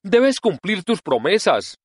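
An earnest, forthright young girl, as a man reading the story puts her on, pitched well above his own voice. She presses her questions with a lively, rising tone. Dry, close sound. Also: slow, husky, dry recording, full character voice. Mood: earnest insistent.

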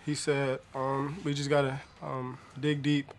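Young male athlete, hesitant, soft-spoken, flat delivery, faint room noise. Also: medium pitch, unhurried. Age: young adult. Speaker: college basketball player. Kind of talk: postgame press conference answers. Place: press room, seated at table. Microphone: table mic on stand.

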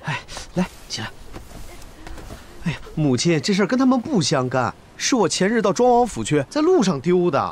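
A man's voice: high voice, big pitch swings, moderate pace, slight background noise. A young actor playing a spoiled, stubborn young nobleman in a period TV drama. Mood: petulant. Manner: petulant, defiant.

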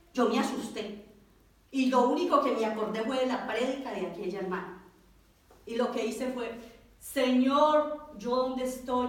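A woman with a Colombian accent gives an emotional testimony from the pulpit and acts out each voice as she goes. Her voice sits high. The sound is very echoey and distant, as if taped across a large church. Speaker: preacher. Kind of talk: testimony sermon. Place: church hall.

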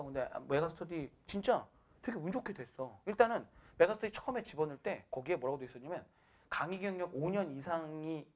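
A male teacher talks to his students in a quick, bouncing voice that leaps up and down. His voice sits a little high for a man, and he jumps into the voices of the people in his story. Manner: animated, acts out quoted people, laughs at himself. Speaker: math teacher.

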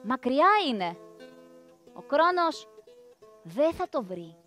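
A woman's voice: high-pitched, sing-song. A woman performing a myth as a live storyteller, dramatic and speaking straight to her audience. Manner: dramatic, addresses the audience directly. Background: live plucked string music.

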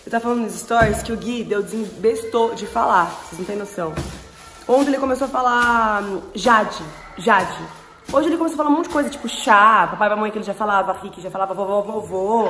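A woman's voice: medium pitch, quick pace, a bit bright. A woman in her thirties with a Brazilian Portuguese accent, chatting affectionately and exclaiming through a casual family vlog. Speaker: family vlogger and mother.

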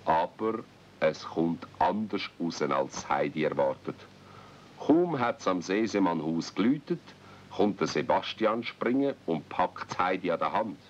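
A man's voice: deep voice, expressive, measured pace. A man with a Swiss accent narrating a children's radio play as a storyteller. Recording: dull, faintly noisy old cassette recording.

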